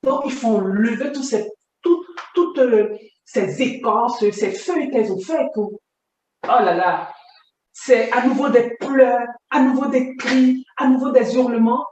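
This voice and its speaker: A woman's voice: fairly high pitch, unhurried, darkish tone, a little hiss or hum. Intense woman, distant echoey recording. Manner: vivid, intense, retelling with strong feeling. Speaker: testimony giver. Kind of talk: emotional personal testimony. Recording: echoey room, distant mic.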